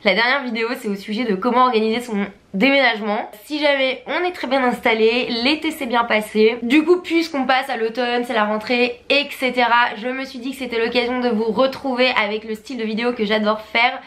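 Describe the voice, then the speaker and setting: A woman's voice: on the high side, a little fast, hardly any pauses, fairly bright tone. Chatty woman with a cold. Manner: chatty, upbeat, many fillers. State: stuffy, nasal from a cold. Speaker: fashion vlogger. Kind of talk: casual chatty vlog.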